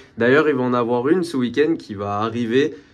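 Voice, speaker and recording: A man speaks with ordinary pitch variation. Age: 20s. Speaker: YouTuber. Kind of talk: casual vlog address to viewers. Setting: filming in front of a mirror. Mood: relaxed, reflective. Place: bathroom. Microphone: phone near.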